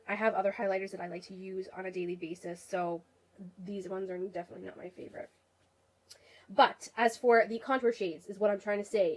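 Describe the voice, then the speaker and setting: A woman's voice: medium pitch, a little mellow, poor audio. A young woman with a head cold chats to her camera about her makeup, her voice nasal and congested. She rambles in a friendly, casual way, full of ums and restarts, speaking in a middle-range voice. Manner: chatty, rambling, many fillers. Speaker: beauty vlogger.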